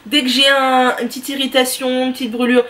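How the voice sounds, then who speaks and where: This beauty and lifestyle vlogger has a high, fairly bright voice but a flat delivery as she rambles through favorite products at home. Her monologue is casual and enthusiastic, often paused by fillers, and she sounds set away from the mic.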